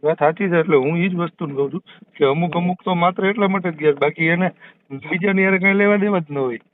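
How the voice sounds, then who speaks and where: Kathiawadi gujarati guy with a high voice chatting on a muffled phone call. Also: fast. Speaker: community activist. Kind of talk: casual phone conversation.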